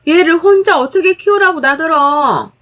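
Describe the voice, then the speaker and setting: A woman voicing a spoiled young sister-in-law who shouts frantically and accuses. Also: very high voice, expressive, normal speed, pitched above the performer's own voice. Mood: frantic.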